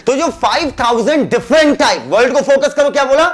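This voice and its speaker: A biology teacher lectures a classroom, joking with his students and scolding them now and then. His voice sits unusually high for a man, and he talks to the class in a loose, chatty way. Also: expressive, brisk. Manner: chatty, teasing, addresses students as beta.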